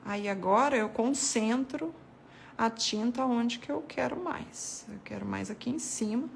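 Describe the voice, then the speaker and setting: Woman, a little higher pitch, relaxed chatty art teacher talking while she paints. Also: a little slow, vocal fry, a little hiss or hum. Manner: chatty, addresses viewers as "gente", points things out while painting. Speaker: art devotional host. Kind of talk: casual watercolor painting tutorial.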